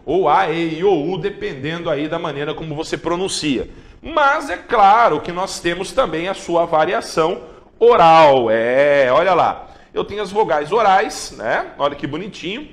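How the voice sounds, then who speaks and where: Male tv teacher, high bright voice, playful and coaxing, lots of "ok?" check-ins. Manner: playful, coaxing, with pet names for students; repeats checks like "ok?" and "beleza?". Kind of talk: televised exam-prep lesson.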